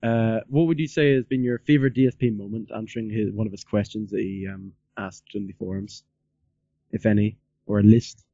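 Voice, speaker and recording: In a casual podcast interview, a man rambles and repeats himself, peppering his talk with "like" and other fillers. His voice is on the low side, steady and mellow, a little fast, with no room sound and a lo-fi quality.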